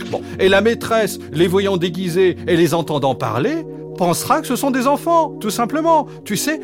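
A man voicing a clever, boastful talking pet dog who speaks proudly and grandly in a children's story, with music behind. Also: high-pitched. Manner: proud, chatty and grandly articulate.

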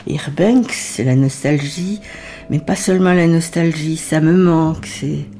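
An older woman whose first language is Yiddish, recalling her past in a halting, reflective interview. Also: low-pitched, mellow. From France. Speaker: witness. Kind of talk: interview testimony.

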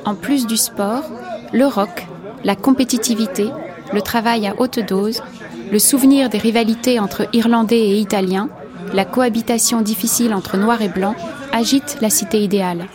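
Woman, radio documentary narrator, measured, composed, scripted. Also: a little high.

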